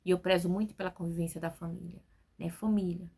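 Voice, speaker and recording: A woman's voice: fairly low pitch, steady tone, fast talker, gravelly, warm tone, slightly rough. A woman in her forties, a preacher, speaking from home and giving a spontaneous, talkative testimony sermon that is full of "né?". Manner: spontaneous, talkative, keeps adding "né?".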